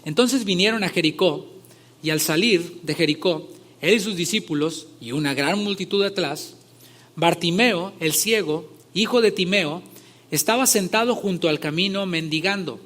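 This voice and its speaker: Man preaching a sermon, fairly high voice. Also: normal speed. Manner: conversational, rising loud when retelling scripture scenes. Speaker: pastor.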